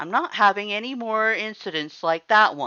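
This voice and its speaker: Gruff and growling, a put-on character voice sits at a fairly high pitch and a moderate pace. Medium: read story. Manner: gruff, growling.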